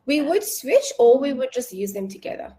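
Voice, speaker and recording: A woman's voice: sits high, lively intonation, normal speed, dark tone. A South African woman in her twenties, a language tutor chatting casually in an interview, with many fillers and easy laughs.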